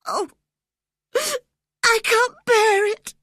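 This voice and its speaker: A woman voicing a frail, terrified teenage boy who sobs and pleads in a high, shrill voice. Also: extremely slow, sharp tone, dry recording, studio quality, heavily acted. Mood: sobbing, pleading.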